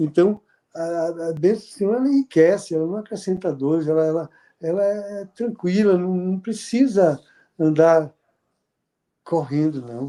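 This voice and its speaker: A dark, mellow tone moves at a fairly slow pace with ordinary pitch variation and long, frequent pauses. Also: man, high pitch for a man. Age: 60s. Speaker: engineer and businessman giving testimony. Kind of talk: testimony. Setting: online live stream. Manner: halting, many repetitions and fillers.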